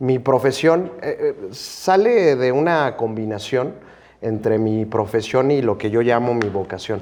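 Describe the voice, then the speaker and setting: A man with an ordinary speaking voice at a medium pitch, with ordinary pitch variation and a fairly slow pace. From Mexico, Aguascalientes. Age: 30s. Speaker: government spokesperson. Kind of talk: interview.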